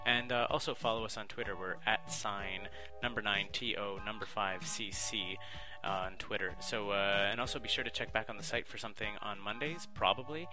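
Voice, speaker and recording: A man's voice: on the low side, steady tone, moderate pace, music in the background. A man hosting a podcast, telling a story in casual chat, laughing and swearing a lot. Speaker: podcast host.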